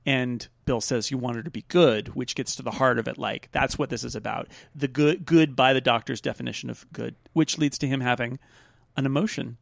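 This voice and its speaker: A man talks through a TV episode with a co-host in an easygoing, rambling way, full of fillers and restarts. His voice has a gravelly, creaky edge. The sound is dry and close. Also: mid-range voice, fairly even intonation, no echo. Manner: chatty, quick asides, frequent fillers and restarts. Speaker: podcast co-host. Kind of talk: casual chat reviewing a TV episode.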